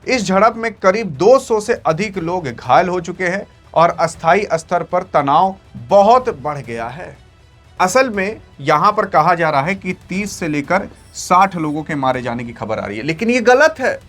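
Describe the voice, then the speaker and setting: A man's voice: high-pitched, lively intonation, a little slow, fairly bright tone, faint music behind. A man hosting an online news video, giving dramatic, emphatic commentary and talking straight to his viewers. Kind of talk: excited news commentary to camera.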